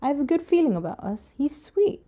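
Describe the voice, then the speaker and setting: Mellow, cheeky flirt. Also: female voice, sits high, big pitch swings, brisk. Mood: flirty. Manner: coy, suggestive. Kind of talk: audio drama acting.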